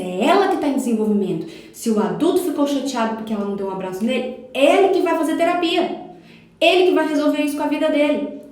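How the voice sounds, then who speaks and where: Brazilian female educator, fairly high mellow voice, emphatic and insistent, live-stream feel, very echoey room. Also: recorded from a distance. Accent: Brazilian Portuguese. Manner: emphatic, insistent, acts out little dialogues. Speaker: parental educator.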